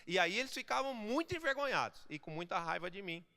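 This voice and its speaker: A male pastor delivers a sermon in a fairly high voice. He preaches emphatically and swells into loud exhortations. His voice carries a long reverberation from the church hall. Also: animated, fast talker.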